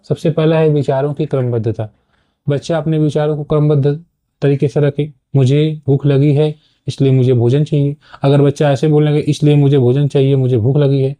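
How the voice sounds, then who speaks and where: A man's voice: fairly high pitch, mellow. A man teaching an exam-prep lesson, explaining step by step and often checking in with "okay". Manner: explanatory, frequent "ठीक है" checks.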